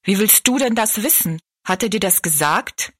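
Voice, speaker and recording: Woman playing a bitter, overworked kitchen maid, bright but husky, storybook. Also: medium pitch, expressive, moderate pace. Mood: weary. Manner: tired, blunt, complaining.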